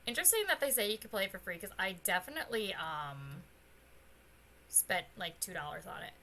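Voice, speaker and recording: Chatty, bright-voiced young woman streamer. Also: mid-range voice, brisk, a little hiss or hum. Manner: chatty and rambling, with bursts of excited squealing. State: slightly hoarse, voice still recovering. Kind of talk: casual let's-play chat. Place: home streaming setup.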